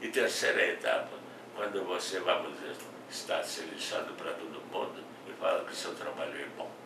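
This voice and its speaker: Over noticeable background noise, a man with a Romanian accent speaks at a moderate pace. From Romania (Bessarabia). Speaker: visual artist. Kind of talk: interview. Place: studio.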